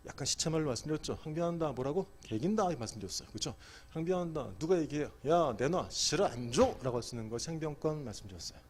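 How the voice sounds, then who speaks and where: A man's voice: medium pitch, noisy background. A middle-aged man giving an exam prep law lecture, quizzing students and answering his own questions.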